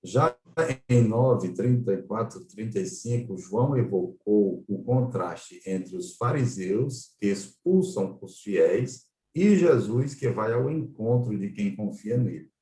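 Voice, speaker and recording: A man's voice: lowish voice, expressive, slow pace, dark tone. A Brazilian man leading an online Bible study, explaining scripture in a didactic way as he reads it aloud. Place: online video-call class. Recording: roomy echo, distant microphone.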